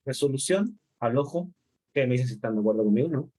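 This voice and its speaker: A man's voice: medium pitch, lively intonation, quick pace, dark tone. A male chemistry lecturer, explaining step by step in an online class and often checking in with his students. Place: remote class.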